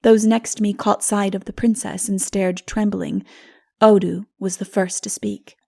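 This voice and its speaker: A woman narrating a novel in a dramatic, hushed and solemn, measured storytelling manner. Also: mid-range voice, steady tone, vocal fry. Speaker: audiobook narrator. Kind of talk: dramatic scripted fiction narration.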